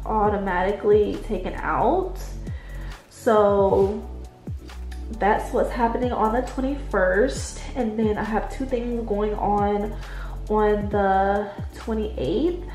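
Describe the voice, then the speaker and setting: Late at night at her home desk, a budget-planning vlogger chats casually while writing in her planner, addressing viewers as "y'all." Her mid-range voice is congested and darkish, slow and unhurried, with room echo and faint music underneath.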